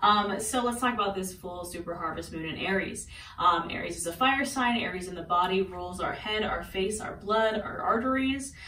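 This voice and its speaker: Noticeable background noise and audible room echo surround the recording. A woman speaks at a medium pitch with ordinary pitch variation. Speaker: yoga instructor. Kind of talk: yoga class instruction. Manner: fast; passionate.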